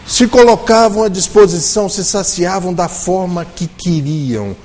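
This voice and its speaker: A man giving a religious lecture at a spiritist center, telling a story and slowing his delivery to stress key words. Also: high-pitched, darkish tone. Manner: storytelling, shifts intonation and slows for emphasis. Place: spiritist center meeting room.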